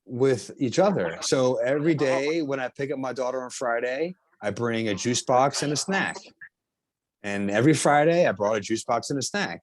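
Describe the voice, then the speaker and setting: A man's voice: mid-range voice, no room sound. Man with a South Jersey accent. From New Jersey. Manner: halting, with frequent restarts and fillers. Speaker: chiropractor and healer, guest. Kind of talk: casual interview explanation.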